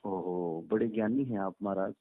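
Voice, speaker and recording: A man's voice: on the low side, normal speed. A man who is a Hindu religious teacher, arguing over a phone call in an insistent, lecturing way and repeating himself. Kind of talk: argumentative phone conversation. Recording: tinny phone-line call recording.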